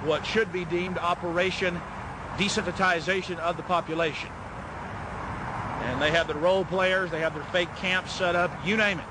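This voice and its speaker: A man's voice: high voice, steady tone, moderate pace. A man working as a field reporter, speaking on location outdoors. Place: outdoors, urban. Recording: clear outdoor street noise.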